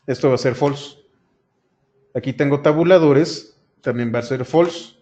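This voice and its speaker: A man's voice: medium pitch, a little slow, dark tone. A male programming instructor, explaining a coding lesson step by step and speaking directly to his students. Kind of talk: screen-recorded coding lesson. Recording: dull lo-fi sound.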